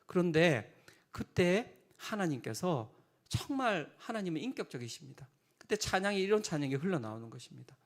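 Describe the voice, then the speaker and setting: Animated storytelling male pastor. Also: sits high, normal speed. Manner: animated storytelling, acts out quoted voices, drops to whispers. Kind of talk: sermon with personal testimony.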